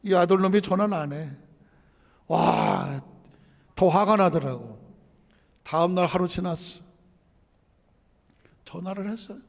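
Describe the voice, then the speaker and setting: A man's voice: high-pitched, measured pace, pauses often, long reverb tail. A male pastor preaching a sermon in a conversational way, asking rhetorical questions, telling a personal story and repeating phrases for emphasis.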